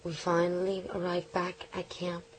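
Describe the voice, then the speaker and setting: A woman playing a young Native American girl who narrates her journal with earnest, hushed suspense and wonder. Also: lowish voice, monotone, normal speed, slight background noise, lightly acted. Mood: reflective. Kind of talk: dramatic first-person journal narration. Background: loud music.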